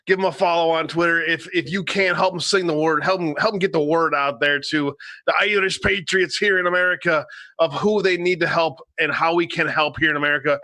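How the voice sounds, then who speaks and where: A man hosting a livestream interview, speaking in upbeat, quick wrap-up talk. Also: fairly high pitch, fairly even intonation, pushed and bright. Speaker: host.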